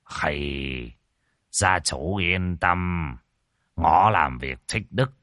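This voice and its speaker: Slow, grave old ritual master, a man doing him, deep, dry, measured. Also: bright, forceful tone, no room sound, heavily acted. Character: solemn older male Chinese ritual master, calm.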